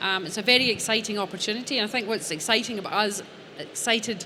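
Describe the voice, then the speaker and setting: Noticeable background noise sits under this recording. The woman's pitch is fairly high. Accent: Scottish. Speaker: business owner, panelist. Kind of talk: panel discussion.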